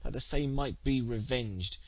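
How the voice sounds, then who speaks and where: A man's voice: mid-range voice, measured pace, darkish tone, voice pushed up, natural voice. A man voicing an anguished, vengeful young woman, wailing melodramatically in an archaic storybook tale. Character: anguished, vengeful young wronged woman lamenting her betrayal. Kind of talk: dramatic archaic storybook reading.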